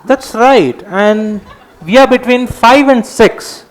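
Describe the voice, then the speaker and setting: A man's voice: very high voice, slow. A man in a staged comic play reading, playing a gloomy, paranoid philosophizer with a pompous, portentous delivery. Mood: suspicious. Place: live stage at a literature festival.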